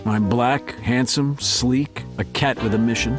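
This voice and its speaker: A man's voice: mid-range voice, steady tone, measured pace, over loud music, close to an everyday voice. A man playing a sleek, self-assured black cat detective who narrates an audio drama in smug noir style.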